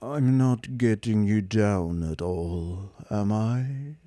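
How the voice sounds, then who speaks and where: A man voicing a gloomy, depressed male robot who drones slowly and hopelessly. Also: fairly low pitch, warm tone, no echo. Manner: droning, slow, mournful.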